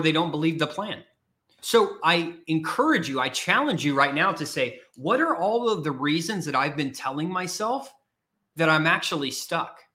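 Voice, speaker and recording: Emphatic, bright-voiced male career coach. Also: a little high. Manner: emphatic, repetitive, blunt. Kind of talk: motivational talk to camera.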